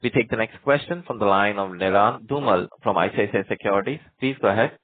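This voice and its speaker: Formal operator man with a low voice. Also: quick pace, dry recording. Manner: formal, scripted. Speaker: conference call operator. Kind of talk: call moderation. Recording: tinny phone line.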